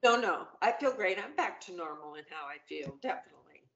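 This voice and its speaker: A woman's voice: fairly low pitch, expressive, a little fast, a crowd in the background. Roomy-sounding middle-aged woman on a video call. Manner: chatty, upbeat, many fillers and restarts. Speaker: panel guest. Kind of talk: casual video-call chat. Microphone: video call webcam. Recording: roomy, dull webcam audio.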